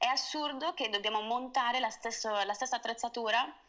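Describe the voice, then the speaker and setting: A woman with a bright, sharp tone and fairly high pitch speaks at a fairly quick pace. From northern Italy, near the Swiss border. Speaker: film boom operator. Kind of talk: interview. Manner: halting, with many repetitions.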